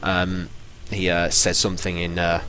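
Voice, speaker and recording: A man with a very low voice narrates as game master of a tabletop game on a live stream. He talks in a halting way, full of ums and "sort of" as he works out the scene. A faint hiss sits under his voice. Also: monotone, a bit bright.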